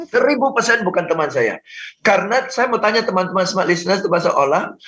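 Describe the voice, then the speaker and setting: A man, a sales trainer, giving advice on a radio talk show, animated, laughing often, acting out phone calls and mixing in English phrases. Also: high-pitched, quick pace, echoey room, dull audio. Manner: mixes English phrases into speech.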